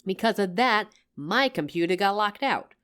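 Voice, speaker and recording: A woman's voice: medium pitch, normal speed, smooth, close to an everyday voice. Woman playing a loving tired wife home from work, teasing and affectionate, talking right to you, voice goes up and down a lot. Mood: exasperated. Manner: affectionate, playful, expressive. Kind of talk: intimate roleplay audio addressed to listener.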